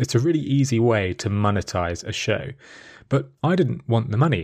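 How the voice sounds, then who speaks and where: A man with an English accent speaks at a medium pitch and a moderate pace, his somewhat breathy voice carrying lively intonation over a quiet background. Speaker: podcast host. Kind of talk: scripted narration.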